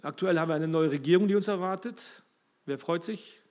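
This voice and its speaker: A man preaching a sermon, emphatic and rising and falling in loudness, speaking straight to his listeners. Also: fairly high pitch, a little fast.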